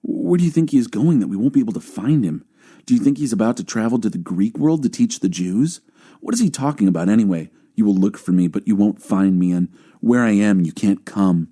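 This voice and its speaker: A man's voice: fairly low pitch, expressive, a little fast, mellow. A man as argumentative doubter in the crowd. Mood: puzzled. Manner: questioning, argumentative. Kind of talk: audiobook dramatized scripture reading.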